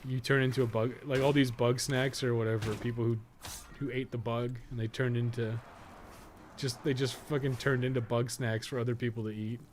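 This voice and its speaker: A man's voice: mid-range voice, level tone, brisk. A man giving casual, rambling game stream commentary with a jokey, sometimes profane manner. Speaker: podcast co-host and game guide maker. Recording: clearly noisy background.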